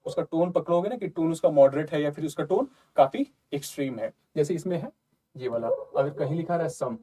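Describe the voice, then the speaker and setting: A man's voice: a little high, fairly quick, mellow. A man explaining exam questions in a casual, conversational lesson, often checking in with his listeners. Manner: conversational, repeats "ठीक है" and "ना" often. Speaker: exam prep tutor.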